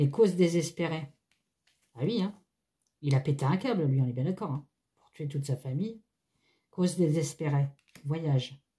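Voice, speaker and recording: Against a quiet background, a woman with a very deep, low pitch and a dark, mellow tone sounds somewhat breathy, her loudness swinging widely and her pitch varying in an ordinary way amid long, frequent pauses. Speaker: tarot card reader YouTuber; tarot reader. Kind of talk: casual tarot reading monologue. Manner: chatty, hesitant with fillers; self-reminder to speak slowly. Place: home room. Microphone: phone near.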